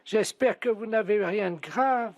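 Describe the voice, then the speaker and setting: A man doing a pushy, muddled old woman making a prank phone call, her voice pitched very high. She keeps mishearing on purpose and chatters on in a mock-sweet way. The sound is dry and close, with no room echo. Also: a little slow. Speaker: prank caller.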